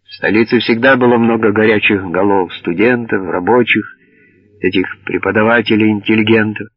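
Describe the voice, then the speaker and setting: A male audiobook narrator reads in a measured, even way with a low voice. The recording is dull and lo-fi, and it sounds dry, with almost no room sound. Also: breathy edge, dry recording. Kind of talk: scripted narration.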